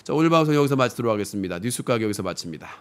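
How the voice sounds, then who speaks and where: A man's voice: medium pitch, expressive, racing, clean tone. A man in his thirties with a sore throat, hosting a satirical live stream in a blunt, filler-heavy rant. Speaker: streaming news-comedy host. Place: small room with fish tank, indoors. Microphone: desk mic on stand, webcam framing.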